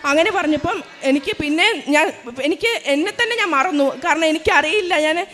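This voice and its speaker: A woman's voice: extremely high pitch, a little fast, a bit bright, slight background noise. A young woman, a nursing student, giving an earnest and emotional personal religious testimony. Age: young adult. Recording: long hall reverb.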